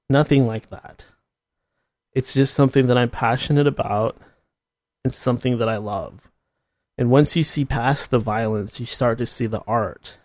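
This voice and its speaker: A man's voice: mid-range voice, darkish tone, no echo. A man in his thirties hosting his own podcast, rambling casually and laughing at himself. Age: 30s. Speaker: podcast host. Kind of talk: casual solo monologue.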